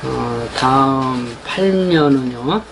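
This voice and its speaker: A man presenting his newspaper's pages in an unscripted rundown, talking haltingly with many fillers and restarts. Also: mid-range voice, expressive, vocal fry, background noise. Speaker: newspaper editor presenting the issue.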